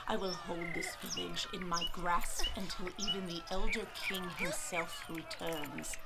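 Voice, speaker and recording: A woman plays a villainous female village elder in an audio drama. She orates slowly and formally, with imperious theatrical menace. Loud outdoor ambience surrounds her. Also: medium pitch, very noisy. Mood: cold menace.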